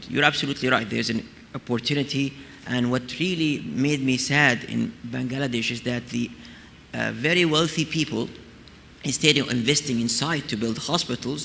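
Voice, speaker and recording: A man with a bright, forceful and creaky voice answers from a conference panel. He is earnest and articulate, speaking off the cuff in a reverberant hall with noise around him. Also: medium pitch. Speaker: conference panelist, healthcare executive. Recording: very echoey hall, clear background noise.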